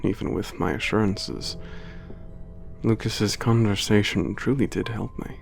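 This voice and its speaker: A man doing a centuries-old giant with a low, gravelly voice, calm and formal in speech. He is gentle and thoughtful. It plays as a soft ASMR audio drama with faint music behind him. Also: measured pace. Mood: reflective. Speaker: letter-writing narrator.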